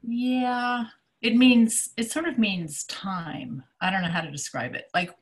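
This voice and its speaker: A woman's voice: on the high side, steady tone, measured pace. A woman taking part in a workshop on a video call, hesitant and thinking aloud. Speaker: workshop participant. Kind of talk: casual video-call chat.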